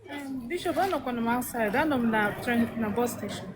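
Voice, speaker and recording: A woman's voice: a little high, animated, fast talker. A woman in her forties with a Nigerian West African accent, a native Igbo speaker, answering interview questions. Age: 40s. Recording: very noisy, distant call-like sound.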